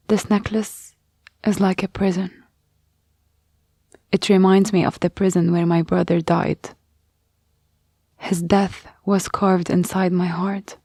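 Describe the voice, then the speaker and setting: A woman reading a first-person testimony aloud in a slow, grave and measured way. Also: medium pitch, vocal fry, warm tone, no room sound, clean studio sound. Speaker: reader of a monologue.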